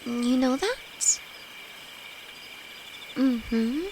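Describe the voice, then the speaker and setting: A woman's voice: high-pitched, expressive, drawn-out words, background noise, full character voice. A woman playing a timid young apprentice alchemist in an intimate audio roleplay, with nervous, hesitant, stammering delivery and frequent sighs. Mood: shy, relieved. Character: timid young female apprentice alchemist, easily frightened, sweet best friend. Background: crickets and night forest sounds.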